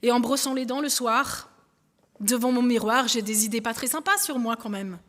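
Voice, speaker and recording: A woman with a high, bright-toned voice preaches in a relaxed, conversational way, turning to a helper and then to the congregation. Her words ring out with a long reverb, as in a church hall. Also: normal speed. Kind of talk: sermon illustration with a balloon.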